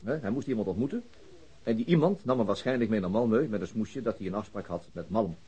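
An actor playing a methodical, persistent police detective in a radio crime drama, speaking in a colloquial way. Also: male voice, lowish voice, animated, fast talker, warm tone, slightly rough, dull audio. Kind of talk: Dutch radio drama dialogue.

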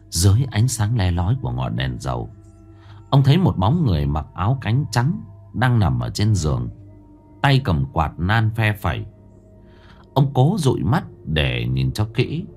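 A man narrating a ghost story in an expressive, dramatic way. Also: on the low side. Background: faint music.

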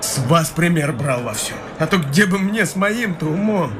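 A fawning, tipsy young clerk played by an actor in a radio play, gushing and boastful as he talks. His voice sits slightly high. A steady hiss runs under the recording. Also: moderate pace, close to an everyday voice. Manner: obsequious, laughing, expansive.

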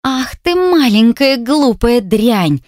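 A venomous young woman purrs her taunts in a coquettish, mocking voice pitched high above the reader's own, as a female audiobook narrator puts her on. The recording is dry and close, with no room sound. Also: expressive, normal speed, no echo. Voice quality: mocking, sugary and spiteful. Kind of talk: audiobook character voice.

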